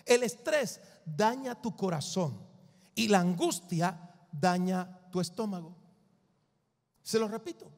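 A man's voice: high-pitched, expressive, slow pace, pauses often, a little mellow, big-room sound. A male preacher delivering an emphatic sermon, repeating his points for the congregation.

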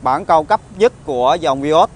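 Higher-voiced southern Vietnamese used car salesman. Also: animated. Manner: used car salesman pitch, halting with frequent hesitations and tag words. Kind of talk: informal sales walkaround video. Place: outdoor car lot, partly inside a car. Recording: outdoor phone recording with traffic ambience.

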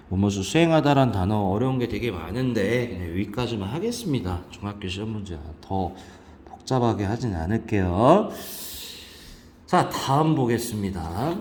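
Male English teacher walking through a textbook passage, low voice with lively jumps in pitch. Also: a little hiss or hum. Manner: lively, asks students questions and answers himself.

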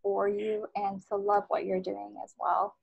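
Woman guest on a video call panel, gravelly voice, dry sound. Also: mid-range voice, monotone, a little slow, darkish tone, no echo, lo-fi sound. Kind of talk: online panel conversation.

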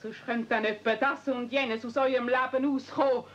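A woman's voice: a little high, fairly even intonation, moderate pace, lightly acted. A woman playing a pushy, scolding aunt in a radio play, nagging insistently with a Swiss German accent. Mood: indignant, threatening. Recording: muffled, noisy old 1970s audio play recording.

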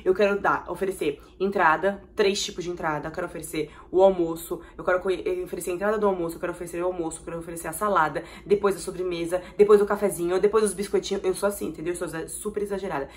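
Excitable Brazilian woman vlogger. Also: lowish voice. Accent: Brazilian Portuguese. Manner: expressive, excitable, rapid bursts and shrieks. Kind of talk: casual vlog reacting to viewer comments.

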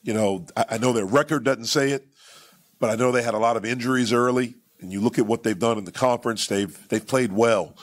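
A man in his forties, a basketball head coach answering reporters at a postgame press conference, speaking in a measured way with frequent "you know" and repeated phrases, into table microphones. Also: medium pitch. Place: press conference room with sponsor backdrop.

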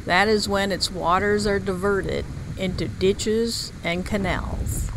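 A woman narrating her outdoor travel vlog in a measured, informative scripted voice-over. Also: medium pitch, fairly even intonation, noisy background. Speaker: travel vlogger.

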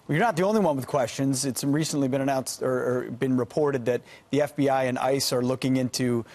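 A man co-hosting a morning news show in a TV studio, asking brisk, conversational questions. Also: medium pitch, a little mellow. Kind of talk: news interview.

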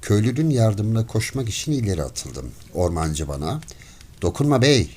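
A man reading a story aloud as an audiobook narrator in measured, expressive storytelling. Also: fairly low pitch, a little hiss or hum.

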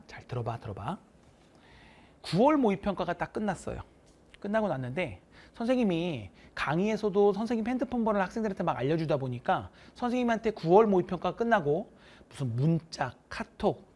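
A math teacher giving a casual motivational lecture and talking directly to students. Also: mid-range voice. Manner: casual, talks directly to students, animated storytelling.

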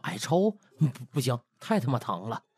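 Guy doing a whiny cheeky young doctor, grumbles a lot, husky and super animated, comedy audiobook. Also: mid-range voice, moderate pace. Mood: grumpy. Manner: whiny, sarcastic, stammering protests. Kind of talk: comic audiobook drama acting.

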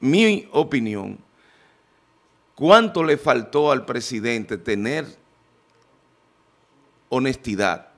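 A man in a TV studio panel, talking into a desk microphone, pressing his point with forceful questions. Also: mid-range voice, animated, slow pace, long pauses. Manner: emphatic, rising to forceful questions. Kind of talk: heated political panel debate.

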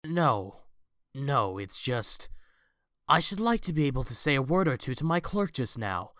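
A man's voice: medium pitch, very animated, unhurried, fairly bright tone, dry recording, studio quality. A man playing a regretful, anguished businessman in a fan audio drama, earnest and hesitant.

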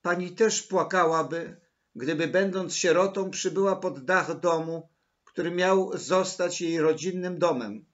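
A man's voice: sits high, unhurried, fairly bright tone, highs cut off, pitched above the performer's own voice. A man voicing a melodramatic orphan girl. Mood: tearful. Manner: tearful, melodramatic pleading. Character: excitable red-haired orphan girl, dramatic.

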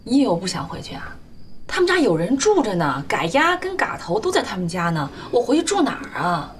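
A woman's voice: mid-range voice, huge pitch swings, a little fast, slight background noise. An actress playing a young mother who pleads with her own mother and argues back in a TV drama scene. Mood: defensive. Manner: pleading, defensive. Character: weary young mother, defensive with her mother, gentle with child. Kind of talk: TV drama acting.

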